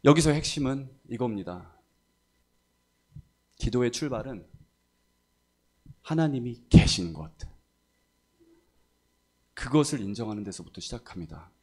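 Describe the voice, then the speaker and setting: Middle-aged male pastor, dramatic sermon delivery with lively, swinging pitch and impassioned peaks. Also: unhurried, long pauses, slightly rough. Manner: dramatic, climbing to loud impassioned pleading when voicing quoted prayers. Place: church.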